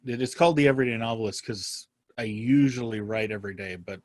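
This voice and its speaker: A man talking casually as an interview guest, halting and circling his point before landing on it. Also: fairly low pitch, no echo. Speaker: podcast guest, writer and podcaster.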